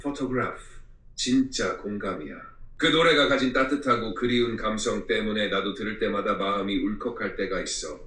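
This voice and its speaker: A male synthetic assistant voice with a Korean-American accent, speaking casually in a smooth, effusive, cheesy way. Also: on the low side, moderate pace, fairly bright tone. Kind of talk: casual conversational assistant replies. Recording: echoey, slightly distant, faint music behind.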